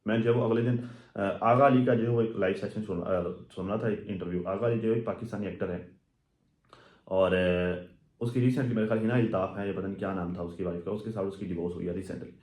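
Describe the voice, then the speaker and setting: A man's voice: fairly low pitch, steady tone, brisk, a little mellow. A man giving casual, rambling commentary on social media gossip, full of fillers and asides. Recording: echoey room.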